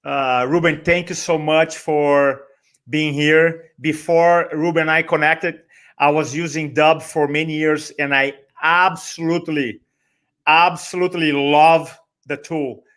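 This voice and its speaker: Brazilian-accented male speaker trainer, middle-aged, fairly high voice, persuasive conversational delivery with emphatic repeats. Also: steady tone, unhurried, fairly bright tone, smooth. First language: Portuguese. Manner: emphatic, repeats phrases, rhetorical questions. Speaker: guest, speaker trainer and business owner. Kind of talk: conversational motivational talk.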